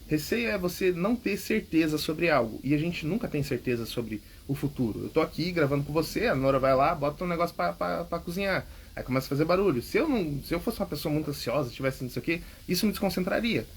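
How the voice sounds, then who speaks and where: A man's voice: fairly high pitch, lively intonation, fast talker, hardly any pauses, slight background noise. A man hosting a public speaking podcast, coaching casually and emphatically, often checking in with "ok?". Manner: emphatic, repeats key points, frequent "ok?" checks. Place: home recording.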